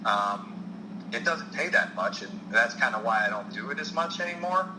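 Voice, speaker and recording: A man's voice: mid-range voice, expressive, moderate pace, reverberant, noisy background. A man with a South Jersey, Philadelphia-area accent, an actor and stunt performer giving earnest advice in an interview. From South Jersey, United States. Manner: earnest, repeats key points for emphasis. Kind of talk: podcast interview.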